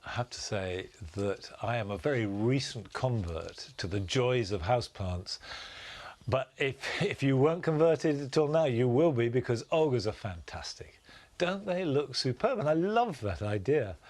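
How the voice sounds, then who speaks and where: A man presenting a gardening show outdoors in a garden, talking gently and with measured enthusiasm. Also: mid-range voice, animated. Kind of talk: relaxed instructional garden presenting.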